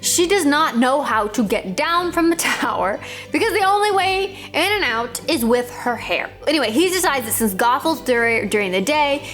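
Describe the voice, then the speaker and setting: A woman's voice: on the high side, a bit bright. A woman hosting a storytelling video, chatting casually and animatedly as she retells a fairytale and acts out bits of dialogue.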